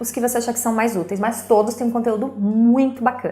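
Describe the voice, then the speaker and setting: Animated in tone, a woman speaks at a high pitch. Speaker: parenting content creator. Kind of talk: tutorial. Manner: fast.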